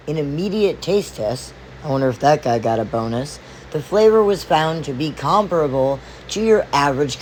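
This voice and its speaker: A hoarse man losing his voice, narrating a playful explainer vlog as its host. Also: mid-range voice, a little hiss or hum, poor audio. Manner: animated, playful storytelling. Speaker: video host.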